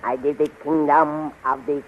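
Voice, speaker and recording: Male actor for cunning tyrant emperor, fairly high-pitched, 1930s radio style, faintly noisy recording. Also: flat delivery, narrow, tinny audio, natural voice. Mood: coldly scheming. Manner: slow, deliberate, sinister. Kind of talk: 1930s radio serial acting.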